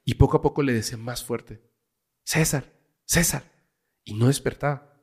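A man with a Mexican Spanish accent and a mid-range voice tells a story as a podcast guest. He talks in a casual, dramatic way and sinks to a hush at the tense parts. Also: mid-range voice, steady tone, quick pace, slightly rough. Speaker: guest, paranormal investigator.

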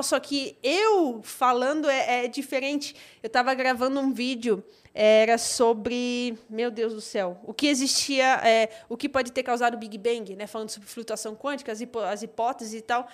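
A woman's voice: a little high, fairly even intonation, moderate pace, few pauses. A young woman, a content creator, chatting casually as an interview guest, talkative and full of fillers.

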